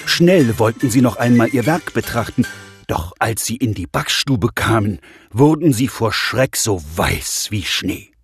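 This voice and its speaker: A man reads a Christmas fairy tale for children in a calm, mid-pitched voice. A little music sits softly underneath his narration. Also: measured pace. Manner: warm storytelling.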